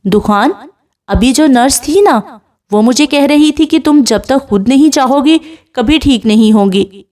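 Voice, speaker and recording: A woman's voice: high-pitched, darkish tone, close to an everyday voice. A woman voicing a sick young woman in a hospital bed, tearful and accusing in a raised voice.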